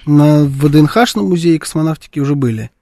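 A man's voice: fairly high pitch, brisk, darkish tone, dry recording, studio quality. Wry, teasing male radio co-host. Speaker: radio morning show co-host. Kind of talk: casual on-air chat. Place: radio studio.

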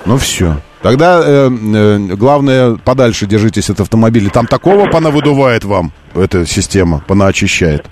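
A man hosting a live radio quiz show, chatting casually in a halting, self-correcting way with playful exasperation. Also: on the low side, animated, a little mellow, slight background noise. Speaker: radio host.

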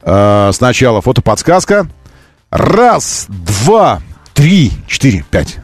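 Male radio host, lively swooping pitch, casual live quiz chat, halting, self-correcting, bantering. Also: husky, dry recording, soft background music.

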